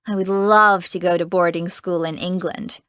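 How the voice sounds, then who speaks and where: A woman playing a cheerful American teenage girl actress in a scripted interview, chatty and quick to laugh, with an American accent. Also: on the low side, fairly even intonation, fairly bright tone, clean tone, dry recording, clean studio sound, lightly acted. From United States. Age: teens. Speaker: young film actress being interviewed. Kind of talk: scripted exam-recording interview.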